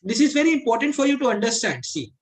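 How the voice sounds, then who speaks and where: A fast-talking, very animated man with a very high voice and a South Asian accent teaches aptitude to a class. He lays things out step by step, repeats points, moves between English and Hindi, and often checks understanding with questions.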